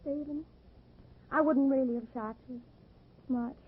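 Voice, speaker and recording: Coy, high-voiced lady jewel thief. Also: steady tone, measured pace, breathy edge, full character voice. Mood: sulky. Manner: coy, mock-innocent, pouty. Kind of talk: old-time radio comedy-mystery acting. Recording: muffled old-time radio recording.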